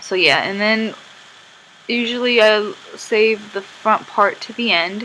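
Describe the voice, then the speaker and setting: Pausing long and often, a woman speaks at a very slow pace in a fairly high pitch with fairly even intonation. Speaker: beauty vlogger. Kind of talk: tutorial. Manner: halting, self-correcting; casual, rambling.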